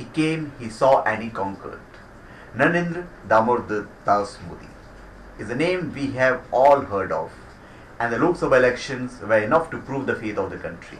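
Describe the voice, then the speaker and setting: Speaking at a moderate pace and medium pitch, a man with an unremarkable speaking voice uses lively intonation and big swings in loudness. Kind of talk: scripted list-video narration.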